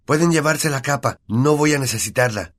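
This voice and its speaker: A brave young schoolboy hero from a storybook reading, raised in pitch and steady, as a man with a Latin American Spanish accent voices him. He speaks calmly and with determination. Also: moderate pace, lightly acted. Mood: determined.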